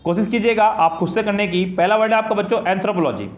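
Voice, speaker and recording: High-voiced male teacher in an echoey room. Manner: reads English passages slowly, repeats each word twice. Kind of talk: vocabulary lesson explained in Hindi.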